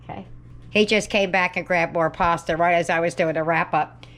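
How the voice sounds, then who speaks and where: A woman with a lowish, slightly bright voice keeps a steady tone and moderate pace as she hosts a home cooking video. Chatty and homey, she talks casually in her kitchen and at the family table, sometimes with her mouth full as she eats.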